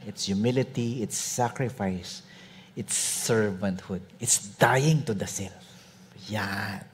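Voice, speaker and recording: A male pastor preaching a sermon with humorous storytelling, often dropping to soft asides. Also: on the low side, slow pace, a little hiss or hum.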